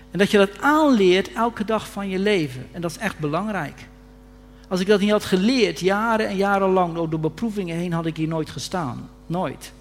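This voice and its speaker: A man preaching a sermon earnestly, often rising to fervent emphasis, recorded in a reverberant church hall. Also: high voice. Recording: reverberant hall with faint hum.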